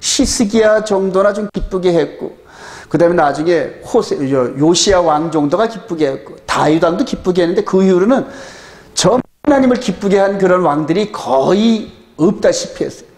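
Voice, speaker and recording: A man's voice: sits high, expressive, normal speed, a little mellow. A man pastor preaching a sermon, emphatic and addressing the congregation with rhetorical questions.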